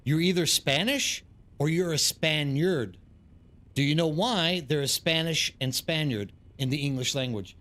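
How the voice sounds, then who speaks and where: Chatty American man, slightly high voice. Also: measured pace, a bit bright. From East Texas, United States. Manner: chatty, rambling, informal. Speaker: live streamer. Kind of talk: casual chat with livestream viewers while gaming.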